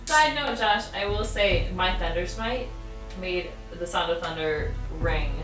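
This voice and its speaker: A woman's voice: on the low side, lively intonation, measured pace, fairly bright tone, far from the mic. A woman chatting casually as a player in a tabletop game. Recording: echoey room, off mic, music behind.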